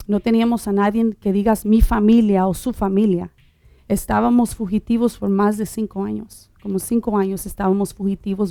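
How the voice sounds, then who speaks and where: A middle-aged woman born in Uruguay telling her personal testimony in conversation, halting, with many fillers and restarts. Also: mid-range voice, mellow, no echo, clean studio sound. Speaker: guest sharing her testimony.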